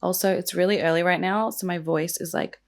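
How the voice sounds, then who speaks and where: Young woman, vlog host, croaky morning voice, gravelly fry, chatty, filler-heavy. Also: lowish voice, steady tone, a little fast. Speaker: true crime and makeup vlogger.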